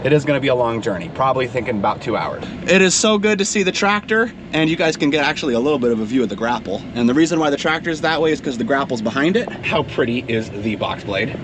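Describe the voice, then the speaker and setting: A young man narrates his day in an upbeat, chatty way, his voice congested and a little nasal from a cold. He talks over clear road and outdoor noise, from a truck cab and a farm. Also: medium pitch, sing-song, fast, few pauses. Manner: upbeat, chatty, explains as he goes. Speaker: vlog host, stable manager. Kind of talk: casual vlog narration.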